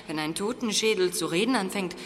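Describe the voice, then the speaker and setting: An actor playing an excitable, jumpy boy detective in a German audio drama. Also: high-pitched, brisk. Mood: sheepish humor. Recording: reverberant radio-play sound with music.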